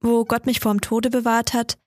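A woman voicing an embarrassed poor man who speaks in hurried, halting bursts. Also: on the high side, level tone, a little mellow, no echo, clean studio sound, lightly acted.

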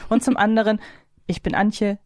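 A woman's voice: medium pitch, little pitch movement, moderate pace, darkish tone, no room sound. A woman hosting a podcast in a studio, talking casually with her guests. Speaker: podcast host.

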